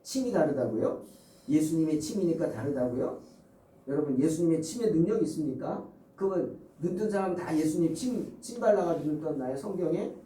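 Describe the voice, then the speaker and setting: A man preaching a sermon as a pastor, animated, acting out scenes and asking the congregation questions. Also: fairly high pitch, brisk, reverberant, recorded from a distance, low-quality recording.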